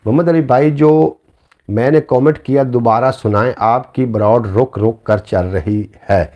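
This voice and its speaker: A man's voice: medium pitch, measured pace, highs cut off. Punjabi-accented man reciting poetry on a livestream. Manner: recites couplets in a rising, sing-song cadence. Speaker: livestream host reading viewer comments and poetry. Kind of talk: casual live chat with poetry recitation.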